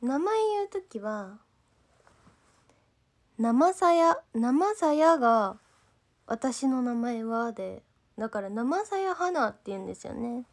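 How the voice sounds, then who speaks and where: A woman's voice: fairly high pitch, big pitch swings, moderate pace, darkish tone. A young woman from Gifu, speaking mostly standard Japanese with a light Gifu dialect, chatting loosely with fans on a livestream and reading their comments, often losing her thread. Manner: chatty and rambling, loses her thread, fills with "nanka". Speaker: idol trainee livestreaming to fans. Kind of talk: casual livestream chat reading viewer comments.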